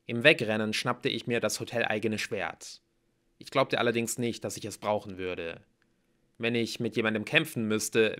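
A man reading a novel aloud as an amateur audiobook narrator, in a lively storytelling manner. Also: fairly low pitch. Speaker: audiobook reader.

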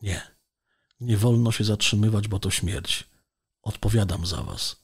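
A man's voice: on the low side, a little slow, breathy edge, full character voice. Man voicing a stubborn ailing leader. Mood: insistent.

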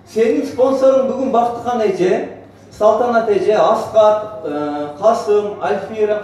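High-pitched Central Asian man, echoey hall. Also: warm tone. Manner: emphatic, boastful, rhetorical questions. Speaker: network marketing speaker, senior manager. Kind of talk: motivational presentation, mixing two languages. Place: on stage in a large hotel banquet hall. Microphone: far camera in the audience area. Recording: echoey hotel hall, distant, noisy.

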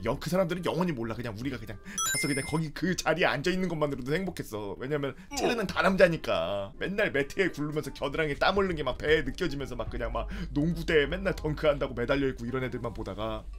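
A young man streaming, telling a funny story from his student days in a casual, animated way, acting out his friends' lines with sudden loud, high bursts. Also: fast talker, hardly any pauses.

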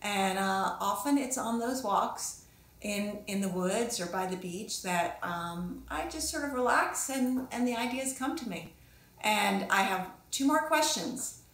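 Speaking in a fairly high voice, a woman in her fifties who writes and illustrates books chats informally with young children while teaching them. She keeps encouraging, thinking aloud and asking the viewer questions, all within a small room with a noticeable echo.

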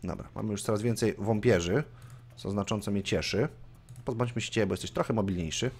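A man's voice: lowish voice, brisk, a little mellow, slight background noise. A man hosting a let's play, commenting casually on his gameplay and swearing offhandedly. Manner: chatty, swears casually, reads game story aloud.

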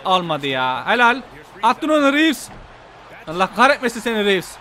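A man giving excited gameplay commentary as a gaming YouTuber, shouting at the players on screen and at his viewers, his voice going hoarse. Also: sits high, moderate pace, slight background noise.

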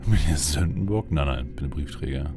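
A man's voice: a bass voice, brisk. A man giving playful roleplay commentary as a let's player, muttering and repeating words. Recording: voice over loud game music.

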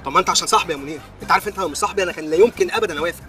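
An actor with an Egyptian accent playing an impulsive husband in a comedy film, swinging from shouting to muttering. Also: male voice, sits high, very fast, soft background music.

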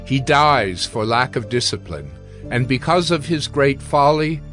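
Male scripture narrator; very unhurried and grave, with faint music underneath. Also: mid-range voice, fairly bright tone. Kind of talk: dramatized scripture reading.

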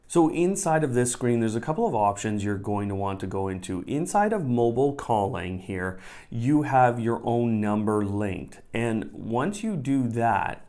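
A man's voice: fairly low pitch, a little mellow. A man, hosting a conversational step-by-step tech tutorial and rephrasing his instructions as he goes. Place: small indoor room at a desk.

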